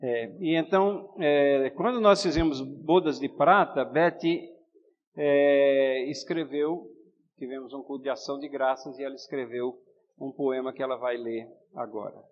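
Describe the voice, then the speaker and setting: An older man from Recife with a Pernambuco accent, preaching in a relaxed, conversational way. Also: mid-range voice, unhurried. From Recife, Brazil. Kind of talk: sermon. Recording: muffled, reverberant church hall.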